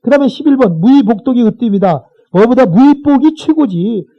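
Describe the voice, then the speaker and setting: A man's voice: very high-pitched, lively intonation, fairly quick. A man, a Buddhist monk, giving a colloquial sutra lecture to a class and often checking in with his listeners. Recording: dull lo-fi recording.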